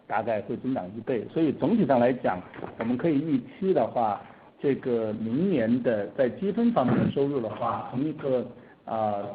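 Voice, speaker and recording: A man, a company executive, answering questions on an earnings call in a measured, explanatory and somewhat hesitant way. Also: medium pitch. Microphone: conference call line. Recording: tinny, noisy conference phone line.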